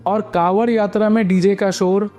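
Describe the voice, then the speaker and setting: A man's voice: high voice, fairly even intonation, normal speed. A man narrating a scripted news report as a reporter, explaining and posing pointed questions. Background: background music.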